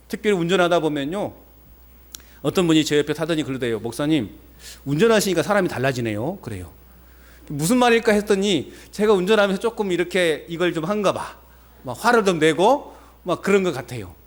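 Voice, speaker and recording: A male pastor preaching a sermon in a church service, emphatic and conversational, asking the congregation one rhetorical question after another and mixing in personal stories. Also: high voice.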